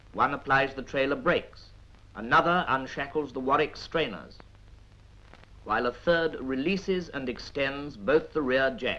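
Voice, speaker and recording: Upbeat in tone, a man speaks at a moderate pace. His pitch varies in an ordinary way. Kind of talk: vintage wartime training film narration. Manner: formal, brisk, instructional; crisp, measured, dryly upbeat. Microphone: old recording.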